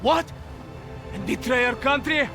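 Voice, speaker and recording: An actor playing a grieving Soviet army captain who speaks in an indignant, accusing way. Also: male voice, very high-pitched, lively intonation, measured pace, heavily acted. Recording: game cutscene with loud music behind.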